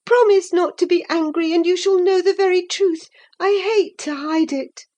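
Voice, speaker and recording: A woman's voice: very high-pitched, normal speed, dark tone, voice pushed up. A woman voicing an earnest, impulsive teenage girl in an audiobook, talking in an eager, confiding way. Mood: pleading. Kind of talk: audiobook character voice.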